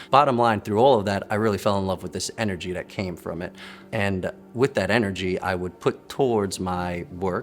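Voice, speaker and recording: This is a man with a fairly low pitch and an ordinary speaking voice. He moves at a moderate pace with ordinary pitch variation. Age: 30s. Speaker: wellness entrepreneur and biohacker. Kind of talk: testimony.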